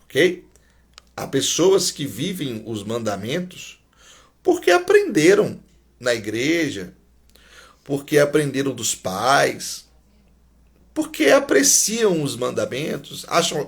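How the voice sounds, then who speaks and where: A man's voice: mid-range voice, sing-song, slow pace, husky. A man preaching a sermon, stressing points by repeating them and sometimes sinking to a near whisper. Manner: emphatic, repeats key phrases, drops to a near whisper.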